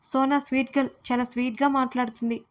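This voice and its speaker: A woman voicing a playful, childish young woman who squeals and shouts in an audio story. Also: sits high, level tone, quick pace, lightly acted. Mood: childish pouting.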